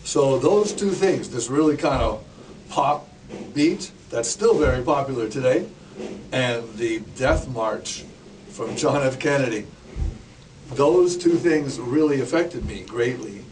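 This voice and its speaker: Relaxed older drummer, far from the mic. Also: male voice, medium pitch, slow pace. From Canada. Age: 60s. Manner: relaxed storyteller, sings snippets, jokes. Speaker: drummer and educator. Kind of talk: casual interview talk. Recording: distant mic with clear background noise.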